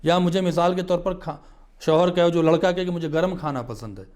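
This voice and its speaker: A man speaks as a guest on a studio talk show, earnest and emphatic as he explains his point. His voice sits a little higher than most men's. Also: a little mellow. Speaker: religious scholar guest.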